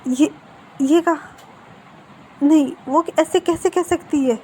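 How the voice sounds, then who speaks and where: A woman's voice: high voice, takes it slowly, warm tone, a little hiss or hum, pitched above the performer's own voice. A woman voicing a protective middle-aged mother who reassures her child in a soothing way, in a narrated story.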